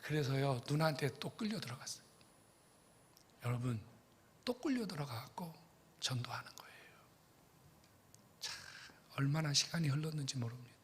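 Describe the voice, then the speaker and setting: A middle-aged male pastor telling a story in a sermon, dropping to hushed whispers and then bursting out loud, repeatedly speaking straight to the congregation. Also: medium pitch, lively intonation, normal speed, long pauses, slight background noise. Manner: dramatic, swings between hushed whispers and sudden loud bursts; addresses congregation directly, repeats phrases. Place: church sanctuary. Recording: long church reverb.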